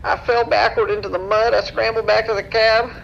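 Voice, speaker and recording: An actor playing a frightened trucker in shock, stammering and halting as he talks over the radio in a radio drama. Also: high-pitched, flat delivery, creaky, a bit bright, highs cut off, slight background noise. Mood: horrified. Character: terrified, shocked male trucker recounting horror.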